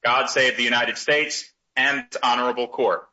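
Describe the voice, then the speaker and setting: A man's voice: mid-range voice, steady tone, normal speed, sharp tone, highs cut off. A man serving as court crier, calling out a formal, ceremonial proclamation in the manner of a town crier.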